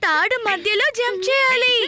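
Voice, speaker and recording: A woman's voice: very high voice, animated, moderate pace. A woman voicing an eager, encouraging young child in a children's cartoon, speaking in simple exclamations. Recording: children's music behind the voice.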